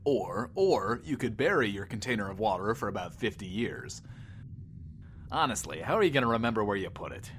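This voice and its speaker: A sleazy, smug radio host of the post-apocalypse for an audio drama. He tosses off flippant wisecracks in a low, very lively voice over clear background noise. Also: fairly quick. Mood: flippant, musing. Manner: smug, flippant, talks of himself in third person. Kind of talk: in-world radio show patter, audio drama.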